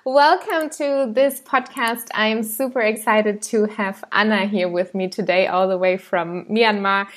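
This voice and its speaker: A woman's voice: mid-range voice, steady tone, measured pace, few pauses. A woman hosting a podcast, reading a scripted intro and then introducing her guest with upbeat enthusiasm. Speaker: podcast host. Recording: music bed under the intro.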